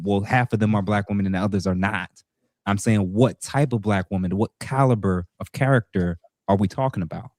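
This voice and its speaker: A podcast host, a man, calmly clarifying points and moderating a panel talk. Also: on the low side, dry recording, studio quality. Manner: measured, clarifying, affirming with frequent "mm-hmm".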